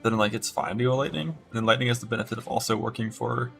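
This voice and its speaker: A man's voice: medium pitch, fast talker, vocal fry, fairly bright tone, soft background music. A man streaming a game, casually talking through build choices in a rambling way. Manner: rambling, many fillers and restarts. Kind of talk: casual gameplay commentary.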